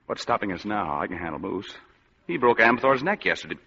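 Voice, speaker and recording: An actor playing a wisecracking hard-boiled private eye in an old-time radio drama, dry and sardonic. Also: male voice, fairly low pitch, expressive, fairly quick, creaky, bright, forceful tone, husky, exaggerated voice. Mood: wry. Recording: dull old radio broadcast.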